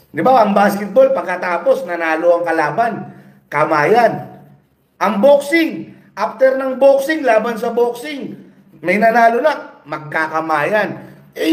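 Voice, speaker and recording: A man's voice: very high-pitched, reverberant. A man giving a profane, angry political rant with mocking rhetorical questions, recorded on a cellphone. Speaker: political vlogger. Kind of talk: profane ranting commentary.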